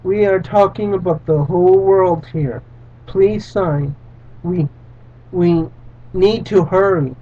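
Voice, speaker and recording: A man reading the lines of an old gray-haired male doctor, urgent and pleading, in a halting read-aloud way. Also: high-pitched, warm tone. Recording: dull lo-fi recording.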